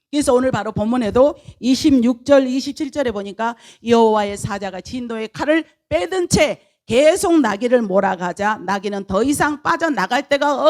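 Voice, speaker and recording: A woman pastor giving a sermon, retelling a story in an animated way and acting out its scenes. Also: fairly high pitch.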